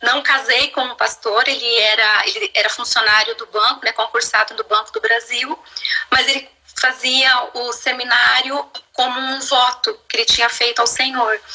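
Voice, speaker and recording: Over noticeable background noise, a woman talks at a moderate pace. Her high voice holds a monotone, flat intonation. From Brazil, São Paulo city. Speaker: pastor's wife. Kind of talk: testimony. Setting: online live stream.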